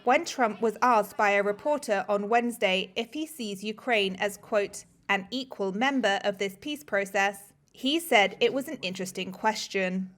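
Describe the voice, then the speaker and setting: Woman reading scripted news, measured. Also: medium pitch, fairly bright tone. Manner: measured, matter-of-fact delivery. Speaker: news reporter.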